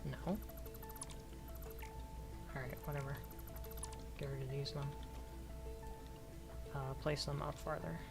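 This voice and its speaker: Hoarse young woman, low slow voice. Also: flat delivery, over loud music. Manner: rambling, talks to herself while playing. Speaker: game streamer. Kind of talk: casual gameplay commentary.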